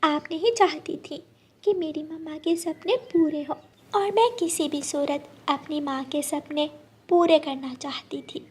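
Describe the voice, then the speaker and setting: Woman doing an eager high-voiced young girl bird. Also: unhurried, a little mellow, a little hiss or hum. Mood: earnest.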